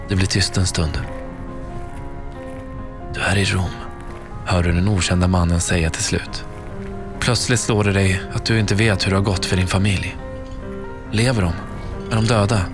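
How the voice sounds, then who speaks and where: A man reading a second-person dramatic audio story in a slow, hushed storytelling manner. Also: sits low. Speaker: narrator. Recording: narration over clear background music. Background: music.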